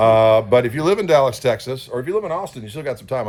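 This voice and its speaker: A man with an American accent talks at a very fast pace, his pitch swinging very widely. Vocal fry runs through his voice. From Wisconsin, Wauwatosa. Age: 50s. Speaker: touring guitarist and video host. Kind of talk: casual chat. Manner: animated, joking.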